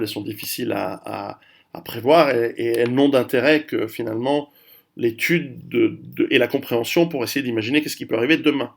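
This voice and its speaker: A man with a gravelly, creaky voice talks through history in a loose, rambling way, restarting phrases and filling pauses as he goes. His pitch sits in the middle range for a man. He sounds like a casual video host speaking straight to his audience. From Italian heritage. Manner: rambling, many restarts and fillers. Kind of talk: casual history talk to camera.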